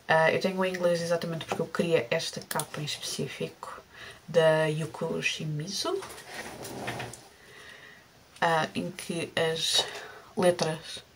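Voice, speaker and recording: A woman's voice: lowish voice, background noise. A woman with a European Portuguese accent chatting casually and unscripted about books, hesitating and rephrasing as she goes. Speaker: book vlogger. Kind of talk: casual unscripted book chat.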